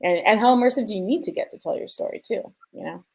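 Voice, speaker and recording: A woman's voice: mid-range voice, fast talker, vocal fry, slightly rough. A woman explaining her craft in casual panel talk, informal and thinking aloud with rhetorical questions. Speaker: sound designer on a panel.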